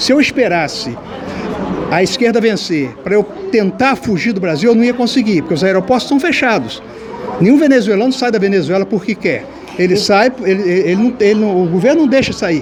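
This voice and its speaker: A man speaks at a fairly quick pace in a high voice with lively intonation, while crowd noise and audible room echo fill the background. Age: 60s. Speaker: retired judge and political candidate. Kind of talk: interview.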